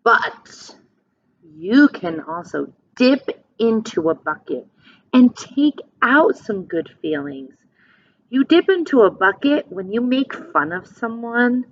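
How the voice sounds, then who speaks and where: A woman reading a picture book aloud to young children in an expressive, teacherly way, with simple phrasing and asides to her listeners. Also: medium pitch, a little hiss or hum. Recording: dull, lo-fi sound.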